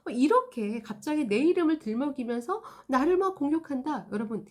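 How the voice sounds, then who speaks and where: A woman customer service trainer giving an animated instructional talk, acting out example dialogues. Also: high voice, fairly quick.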